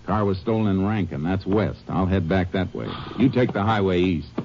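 An actor playing a steady, determined Texas Ranger who talks and narrates tersely in a 1950s radio western. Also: male voice, deep voice, background noise, natural voice. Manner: terse, measured, calm. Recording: dull old radio broadcast recording.

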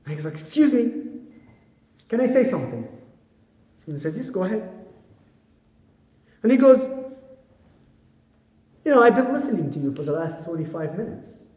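A man's voice: high voice, normal speed, pauses often. Israeli Arab man speaking in an echoey hall. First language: Arabic. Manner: animated storyteller, acts out quoted voices. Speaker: speaker at a community event. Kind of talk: public speech with storytelling. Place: large synagogue hall. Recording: echoey hall with long reverb.

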